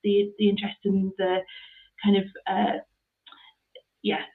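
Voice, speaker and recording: A woman's voice: mid-range voice, completely flat delivery, measured pace. A woman, answering interview questions about her charity work with many ums and restarts. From mid Devon, England. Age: 30s. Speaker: charity ministry worker. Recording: tinny phone-like line.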